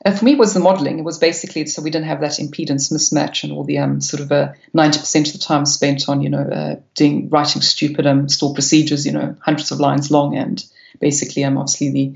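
Woman guest from South Africa, gravelly voice, flat delivery, many ums, echoey lo-fi room. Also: low voice, quick pace. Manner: hesitant, many fillers, enthusiastic. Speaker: podcast guest. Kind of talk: technical interview answers. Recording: echoey room, dull lo-fi sound.

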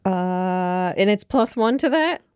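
Female player, slow and hesitant, lively pitch, dry close sound. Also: slight background noise. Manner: unsure, halting, laughing. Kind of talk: casual tabletop game chat.

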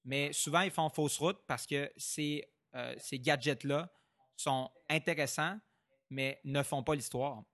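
A young man with a Québécois French accent, a journalist guest talking thoughtfully with many pauses and fillers. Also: a little high, fairly bright tone, no echo, studio quality. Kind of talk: casual interview conversation.

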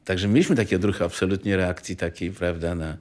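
An older man reminiscing in an interview, halting and digressive, often breaking off mid-thought. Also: deep voice, fairly even intonation, a little mellow. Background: music.

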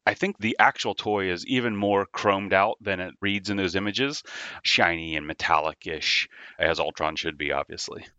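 A toy designer, a man, explaining his figures in a relaxed, detailed way. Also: low voice, normal speed, smooth, dry recording, lo-fi sound. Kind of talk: casual explanation.

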